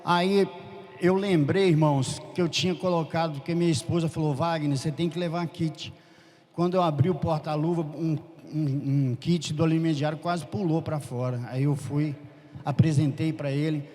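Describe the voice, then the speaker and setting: A man tells a fervent church testimony, acting out the voices in his story. His voice sits a little high, and a long hall reverb trails after each phrase. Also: normal speed. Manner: storytelling, lively quoted dialogue, fervent. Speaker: church member giving testimony.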